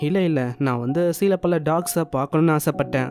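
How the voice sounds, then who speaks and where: Noticeable background noise fills the recording. Over it, a man talks at a fairly high pitch. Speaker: anime story explainer. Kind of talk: casual anime plot recap narration.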